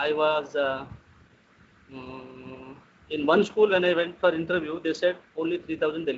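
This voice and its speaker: This man's voice is fairly high in pitch. He keeps a moderate pace and fairly even intonation. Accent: South Indian. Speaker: teacher. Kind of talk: interview conversation. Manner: halting.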